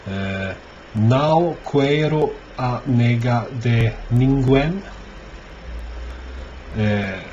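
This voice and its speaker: A man giving a casual, unscripted show-and-tell as a collector, halting often and thinking aloud. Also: medium pitch, darkish tone. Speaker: record collector presenting finds. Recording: dull lo-fi audio, clear background noise.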